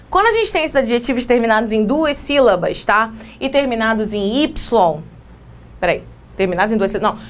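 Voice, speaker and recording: A woman's voice: high-pitched, fairly bright tone. A woman with a Brazilian Portuguese accent giving an exam-prep English lesson, explaining step by step and checking in often with her students. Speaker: English teacher.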